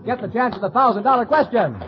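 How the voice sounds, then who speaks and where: A man's voice: very high voice, lively intonation, fast talker, muffled recording, noisy background. An American man working as a radio announcer, delivering scripted copy in 1940s style on an old recording.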